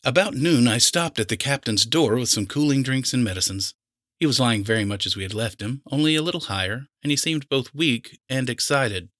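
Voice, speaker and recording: Guy narrating an audiobook, bright crisp-edged tone, middle pitch, super dry recording. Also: brisk, no echo. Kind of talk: scripted fiction narration.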